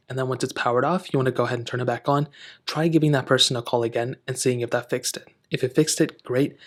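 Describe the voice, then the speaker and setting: A man hosting a how-to tech video, explaining steps in an informal, chatty way. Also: medium pitch. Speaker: tech tutorial host. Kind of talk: casual how-to tutorial narration.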